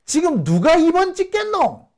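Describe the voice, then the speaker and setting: A man imitating an old school friend, an excitable middle-aged man with a Busan dialect, talking loud and teasing. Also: extremely high pitch, moderate pace, pitched above the performer's own voice, full character voice. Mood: excited teasing.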